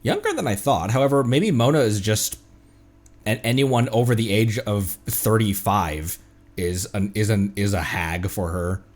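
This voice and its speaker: A man streaming a game with casual, slangy, excitable reactions, often repeating his words. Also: lowish voice, a little slow. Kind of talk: casual live reaction commentary. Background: faint game music.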